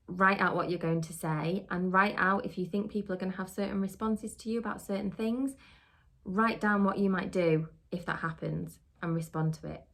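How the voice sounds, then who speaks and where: Low-pitched British woman explaining practical advice. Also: creaky. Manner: explanatory, rephrases and reiterates points. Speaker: social work trainer and podcast host. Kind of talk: conversational instructional talk.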